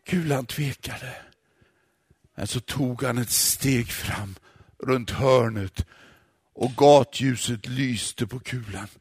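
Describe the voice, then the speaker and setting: A man telling a story dramatically, swinging from hushed near-whispers to loud outbursts. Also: medium pitch, breathy edge, no room sound. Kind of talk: expressive story narration.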